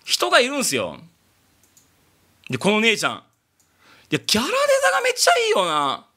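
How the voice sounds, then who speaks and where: A man who learned Japanese as a second language, chatting fast through an anime reaction. His voice sits high and very bright, and it swings wildly in pitch as he gets excited and shouts his approval. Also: husky. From outside Japan. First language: not Japanese. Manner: excitable, bursts into loud exclamations. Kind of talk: casual reaction commentary.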